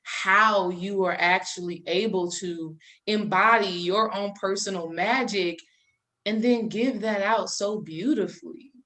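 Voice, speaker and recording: Female interviewer, mid-range voice, very slow delivery, conversational and admiring. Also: medium pitch, bright, forceful tone. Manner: admiring, drawn-out emphasis. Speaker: show co-host, interviewer.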